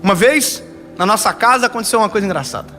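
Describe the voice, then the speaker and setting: A young man preaching in Brazilian Portuguese, telling a story and swinging from rising emphasis to low, hushed lines. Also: lively intonation, fast, faint music behind. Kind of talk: sermon with a story.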